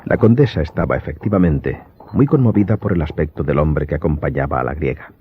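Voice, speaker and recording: A man's voice: very deep voice, fairly quick, a little hiss or hum. A man narrating a radio drama from a script in a dramatic storytelling style. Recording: dull recording with background music.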